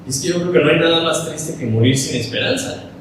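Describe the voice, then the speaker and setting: A man with a Mexican accent preaching a Bible-study sermon in a conversational style, with many questions to his listeners. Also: fast talker. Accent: Mexican Spanish. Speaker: pastor. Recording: echoey hall from a distant mic with faint rumble.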